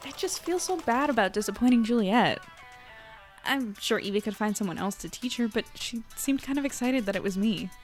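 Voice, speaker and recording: A woman's voice: on the high side, lively intonation, a little fast, faint music behind, lightly acted. A woman playing a friendly, self-doubting small-town newspaper editor in an audio drama, with a casual, hesitant delivery. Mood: hesitant, worried. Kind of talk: naturalistic audio drama acting.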